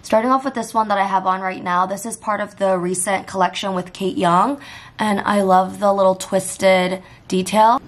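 A young woman chatting casually to camera in a vlog, her voice hoarse and worn after days of nonstop talking, upbeat, with lots of "like" fillers. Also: medium pitch, fairly even intonation, moderate pace. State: hoarse, voice partly lost. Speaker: lifestyle vlogger. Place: hotel room and home bedroom, indoors. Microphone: camera facing her at arm's length.

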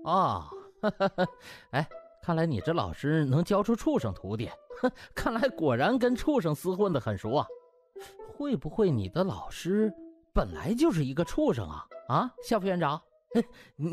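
A male narrator plays a cocky young doctor in a comic audio novel. He is flippant and taunting, his pitch swinging wildly, with music underneath. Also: wildly swooping pitch, measured pace. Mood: mocking.

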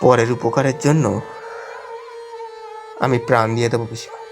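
A man's voice: medium pitch, flat delivery, normal speed, natural voice. Comic audio-drama lead: male actor as boastful youthful do-gooder, grandiose declamation, music behind. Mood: stubborn, zealous. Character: boastful, zealous Bengali youth bent on doing good.

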